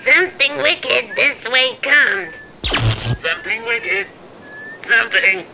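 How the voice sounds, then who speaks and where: A woman's voice: on the high side, expressive, takes it slowly, gravelly, heavy background noise, full character voice. A woman playing an eerie, entranced female who chants omens in an audio drama.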